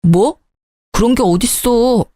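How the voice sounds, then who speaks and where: A woman's voice: fairly high pitch, slow, warm tone, no room sound, studio quality. A woman voicing a clueless, whining young husband in a story radio drama. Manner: pleading, whining.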